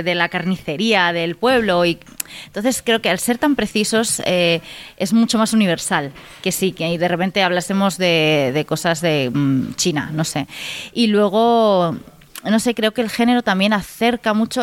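An actress from Spain talking warmly and eagerly about her first leading role, with frequent fillers and restarts. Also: lowish voice. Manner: enthusiastic, many fillers and restarts. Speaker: actress, interview guest. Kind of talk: casual interview answers.

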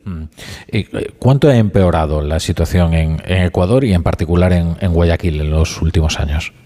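A male radio host leading a live news discussion, measured and hesitant, often pausing with fillers. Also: low voice, dark tone.

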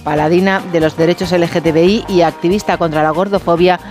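A female radio co-presenter, reading headlines briskly and chatting between them. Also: on the low side, steady tone, darkish tone, soft background music. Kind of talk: press review reading.

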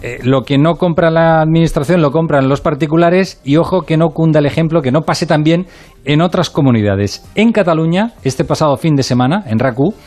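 Un hombre que cuenta una noticia en un programa de radio con tono explicativo y algunas muletillas. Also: male voice, on the high side, a little mellow. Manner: brisk explanatory delivery with fillers. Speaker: radio news reporter. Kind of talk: radio news report and studio chat.

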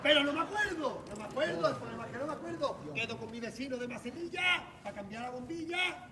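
A man's voice: very high-pitched, animated, recorded from a distance, over a noisy crowd. A man from Cádiz with an Andalusian accent playing a weepy, cheerfully murderous man in a live carnival stage comedy, whiny and theatrical. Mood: deadpan. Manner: whiny, theatrical, drawn-out lamenting. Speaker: carnival quartet performer.

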